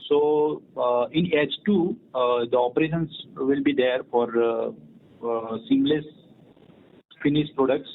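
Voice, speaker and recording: A man giving a hesitant, halting answer as a company executive on an earnings call. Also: on the high side, animated, creaky, a little hiss or hum. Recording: thin phone-line conference call.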